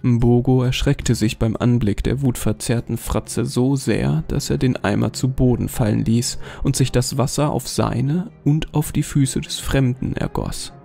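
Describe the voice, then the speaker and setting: A man narrating a scripted horror story in a measured, steady way. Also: mid-range voice, creaky. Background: faint music.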